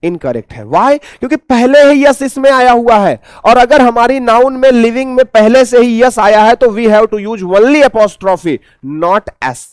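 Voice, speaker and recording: A man with an Indian accent runs an exam-prep English lesson with a fairly high voice. He keeps asking rhetorical questions and repeating the answers. The sound is close and dry, with no room echo. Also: lively intonation, normal speed, few pauses, smooth. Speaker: English teacher.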